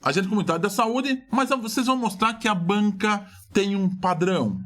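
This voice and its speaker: A middle-aged man with a Brazilian Portuguese accent, reviewing exam questions in a lively lesson and often asking and answering his own questions. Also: high voice, moderate pace. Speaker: exam prep teacher.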